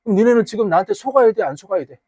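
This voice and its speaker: A man from the Gyeongsang region teaching high school English in a classroom, chatty and teasing, bantering with his students. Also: animated, rapid-fire, warm tone, no echo. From Gyeongsang region, Korea. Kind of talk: casual classroom lecture. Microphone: wearable mic.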